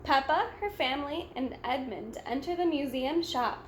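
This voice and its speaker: A woman reading a children's storybook aloud in a deliberate, simple way for young listeners. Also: high voice. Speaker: storybook read-aloud reader. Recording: echoey room with faint background noise.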